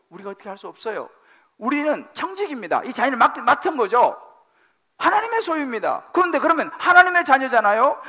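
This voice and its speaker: A middle-aged man preaching from a church pulpit, his voice pitched very high and swinging widely as he drives points home. The tone is bright and edged with gravelly fry, and he keeps repeating phrases and firing questions at the congregation. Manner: animated preaching, emphatic repetition, questions to the congregation. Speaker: senior pastor. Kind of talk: sermon. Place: church sanctuary.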